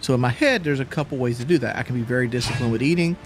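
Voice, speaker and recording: A man's voice: mid-range voice, very fast, music in the background. A man chatting casually on a live stream, out of breath after a workout, rambling and repeating himself as he talks.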